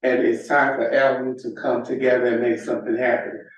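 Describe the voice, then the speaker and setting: A man's voice: medium pitch, level tone, fairly quick, dull audio. A man in his sixties giving an earnest public comment at a city council meeting, telling a story and pleading for unity. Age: 60s. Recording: echoey council chamber from far off.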